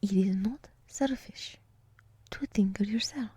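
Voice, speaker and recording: A soft, slow-speaking deer woman, played by a woman in an ASMR roleplay. She half-whispers with a breathy, husky edge, close and dry. She is nurturing and encouraging, leaving soothing pauses between phrases. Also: medium pitch, no echo. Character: gentle, nurturing deer woman, encouraging forest monster girl.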